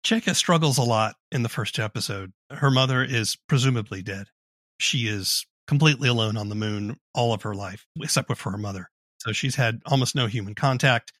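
Guy hosting an interview podcast, a bit husky, thoughtful and chatty, dry close recording. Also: medium pitch, brisk, a bit bright, no echo. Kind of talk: thoughtful, conversational interview talk.

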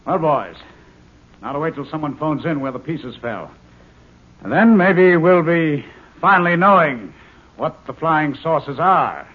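An actor playing an eager, commanding scientist with an American accent in a 1950s radio drama. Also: male voice, a little high, expressive, measured pace, slightly rough. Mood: businesslike. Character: eager, commanding male scientist in charge of a project. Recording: tinny, noisy 1950s radio recording.

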